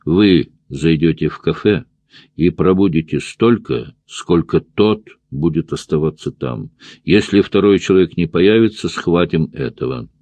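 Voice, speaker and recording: A man narrating an audiobook, reading the lines of a curt male Gestapo commander who gives orders in a low, dark voice. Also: expressive, a little slow, no echo. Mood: commanding.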